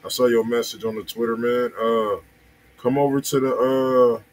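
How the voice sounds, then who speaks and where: A man's voice: medium pitch, little pitch movement, moderate pace, darkish tone. An American man co-hosting a music review stream, chatting casually in slang and often repeating himself. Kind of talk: casual livestream chat and feedback. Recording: faint background noise.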